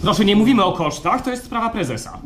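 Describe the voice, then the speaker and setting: Excitable, fussy doctor, swooping pitch. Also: male voice, fast talker. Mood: indignant. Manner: theatrical, exclamatory, pedantic. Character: excitable, fussy, obsessive male doctor-experimenter. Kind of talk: live radio play acting. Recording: live stage recording with background noise.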